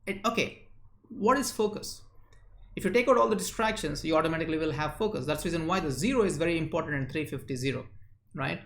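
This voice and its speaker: A man's voice: fairly high pitch, roomy sound. A man from India hosting a live stream, reading viewers' chat messages aloud and answering them with lots of uh fillers. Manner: chatty, reads chat names and answers quickly, frequent uh fillers. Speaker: live-stream host and memory coach.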